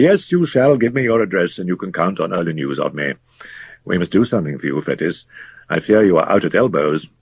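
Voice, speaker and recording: A wealthy old physician , as a man puts him on, hurries through soothing, falsely jovial reassurances. The voice sits a little higher than a natural low speaking voice, with a husky grain and a lively lilt, recorded close and dry. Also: no room sound, heavily acted. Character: smooth, wealthy older male physician, flustered and placating.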